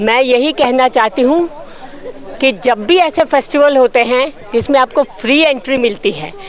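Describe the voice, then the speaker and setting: A high-pitched woman with lively intonation against noticeable background noise. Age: 70s. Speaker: stage actor. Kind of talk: post-show interview.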